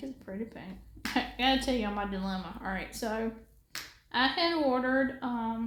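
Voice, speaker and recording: A woman with a Southern US accent at a moderate pace, audible room echo around her. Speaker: diamond painting crafter, video creator. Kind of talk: casual chat while crafting.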